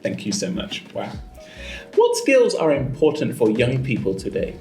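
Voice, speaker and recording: Brief: encouraging male examiner, lively swooping pitch, echoey room with faint music. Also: normal speed. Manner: encouraging, lavish with praise. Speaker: IELTS examiner and teacher. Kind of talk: mock speaking test.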